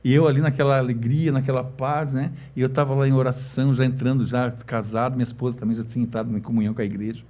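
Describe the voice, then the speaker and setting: A man's voice: mid-range voice, flat delivery, fast, hardly any pauses, mellow. A middle-aged man with a Brazilian Portuguese accent, a church elder telling an emotional personal testimony and acting out the quoted dialogue. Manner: storytelling, acts out quoted dialogue.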